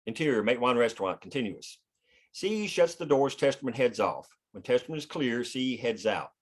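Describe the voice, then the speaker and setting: A man's voice: mid-range voice, very animated, a little fast. A man reading scripted screenplay stage directions as the narrator of a table read.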